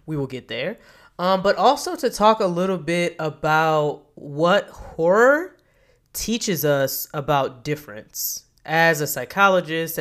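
A woman's voice: deep voice, a bit bright, clean tone. A woman in her thirties with a nasal, stuffed-up voice from a cold, talking enthusiastically and chattily as a podcast host. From Kentucky, US. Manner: enthusiastic, chatty, self-correcting. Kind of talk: solo podcast monologue.

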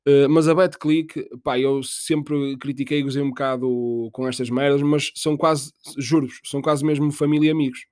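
A man's voice: medium pitch, steady tone, moderate pace, hardly any pauses, darkish tone, no room sound, studio quality. A man with a European Portuguese accent hosting a podcast, rambling through a jokey, profane, self-mocking monologue. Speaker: podcast host. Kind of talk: casual comedic monologue.

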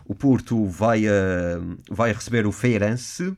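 A man from the Azores co-hosting a casual radio chat, quick and playful, joking about himself. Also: lowish voice, darkish tone. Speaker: radio co-host.

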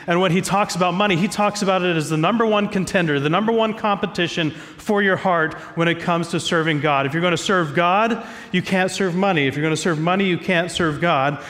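A man's voice: high voice, brisk, hardly any pauses, a bit bright. Stuffy-voiced male pastor in a reverberant hall. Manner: conversational, self-joking. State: stuffy from a cold. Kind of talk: sermon. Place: church stage.

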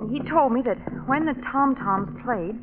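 A woman's voice: sits high, animated, moderate pace, phone-quality sound, music in the background. An actress playing an alert, inquisitive lady companion to the hero, in 1940s radio style. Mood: composed. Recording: noisy, thin vintage radio recording.

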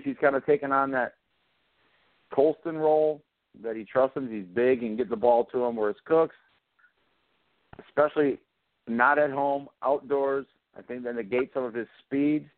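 A man on a fantasy football panel who states his picks bluntly and confidently and teases his co-hosts. He speaks at a middle pitch. The sound is thin and phone-like, with no room around it. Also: normal speed, no room sound. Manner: blunt, confident opinions with playful jabs. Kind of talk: sports radio panel talk. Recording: dry, phone-like narrow band.

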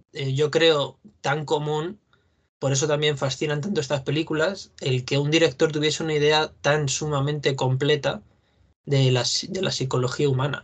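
A man talks through his ideas about film in a loose, reflective commentary, pausing with fillers as he reasons. His voice sits a little higher than most men's. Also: a bit bright. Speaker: film discussion co-host.

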